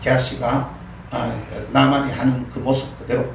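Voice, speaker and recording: A man's voice: mid-range voice, little pitch movement, moderate pace. A middle-aged man preaching a sermon in a folksy way, acting out prayers and grumbles with frequent laughs. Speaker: pastor. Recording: echoey room, mic at a distance, faint noise.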